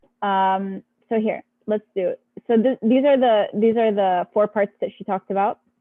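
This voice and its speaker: A woman with a non-native accent, at a moderate pace. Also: long, frequent pauses. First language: not English. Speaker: career changer sharing job search tips. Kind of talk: group discussion. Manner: hesitant, many fillers.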